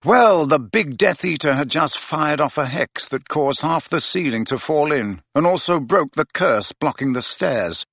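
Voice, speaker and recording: A man voicing a steady adult wizard who talks firmly and soberly, with reassurance. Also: a little high, a little slow, gravelly, hardly any pauses, no echo, voice pushed up, exaggerated voice. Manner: firm, sober.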